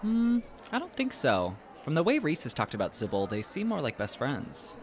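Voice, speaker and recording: An easygoing male friend in a podcast drama. He is chatty and speculative, with lively swings in a mid-range voice. Faint ambient noise lies behind. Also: a little high, normal speed. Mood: casual. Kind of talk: audio drama dialogue.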